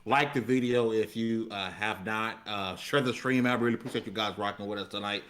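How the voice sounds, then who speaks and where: A man's voice: lowish voice, fairly even intonation, brisk, fairly bright tone. A man hosting a gaming live stream in casual, slangy talk with an emphatic manner.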